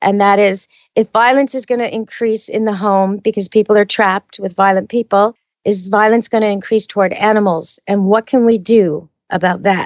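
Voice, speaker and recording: In a plain, everyday voice, a woman talks at a moderate pace, her pitch medium and her intonation fairly even. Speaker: pet radio show host. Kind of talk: interview.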